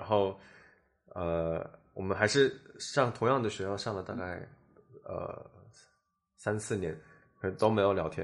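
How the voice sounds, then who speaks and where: With long, frequent pauses, a man talks at a fairly slow pace in a fairly low pitch and ordinary pitch variation. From South Korea, partly raised in Beijing. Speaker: freelance designer and translator. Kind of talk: casual chat. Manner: hesitant, many fillers.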